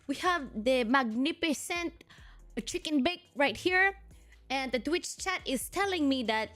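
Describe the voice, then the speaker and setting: High, bright-voiced woman streamer. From Filipino heritage. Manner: blunt and profane, frequent laughter. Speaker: live streamer. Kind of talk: casual live-stream chat.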